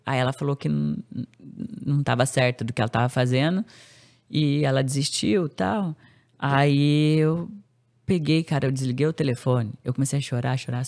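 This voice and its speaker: A woman guest on a podcast, telling a personal story in casual, slangy speech and acting out the quoted lines with big jumps in pitch. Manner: animated, acts out quoted dialogue with sharp pitch jumps; casual slangy speech, many fillers and restarts.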